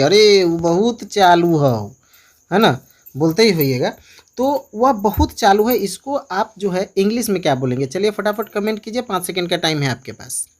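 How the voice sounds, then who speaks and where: A man runs a relaxed online English class. He speaks in a chatty, coaxing way and stretches out each example phrase slowly so viewers can repeat it. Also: sits high. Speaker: English tutor. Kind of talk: casual online teaching.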